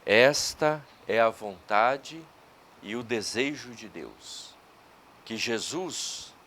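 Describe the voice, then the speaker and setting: A man with a Brazilian Portuguese accent, a priest reading the gospel and giving a homily in a slow, measured liturgical way. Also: medium pitch, a bit bright, slight background noise.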